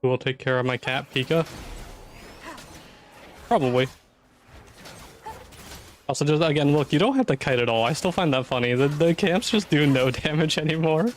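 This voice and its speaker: A man's voice: a little high, moderate pace, pauses often, slight background noise. A streamer man losing his voice. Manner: chatty, offhand, swears, self-interrupting. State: losing his voice, clearing throat. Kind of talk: casual gameplay commentary.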